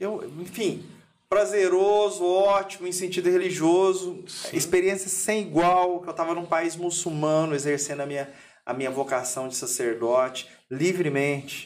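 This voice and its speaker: A man with a high pitch delivers his words at a fairly slow pace. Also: ordinary pitch variation. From Minas Gerais, Brazil (Passos). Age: 30s. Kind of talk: casual conversation.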